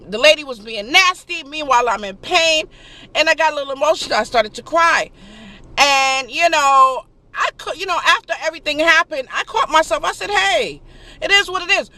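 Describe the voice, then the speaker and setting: A woman's voice: high-pitched, pushed and bright, low-quality recording. A woman giving an emphatic, preachy motivational vlog talk, calling her viewers honey. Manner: laughs and gets emotional. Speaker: vlogger.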